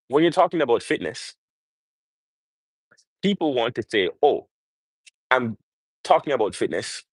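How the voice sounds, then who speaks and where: Speaking on the low side, this motivational livestream host talks spontaneously and with emphasis, frequently asking rhetorical questions to get his audience to agree. There's no room sound on the recording.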